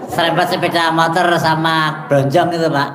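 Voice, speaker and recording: A man's voice: on the high side, level tone, normal speed, fairly bright tone. An older man in the audience asking the host for advice, politely giving short replies. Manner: polite, brief replies, opens with Islamic greetings. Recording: echoey room with faint ambience.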